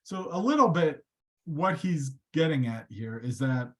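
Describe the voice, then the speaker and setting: A man teaching a study group, explaining texts in a lively, conversational way. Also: a little high, measured pace.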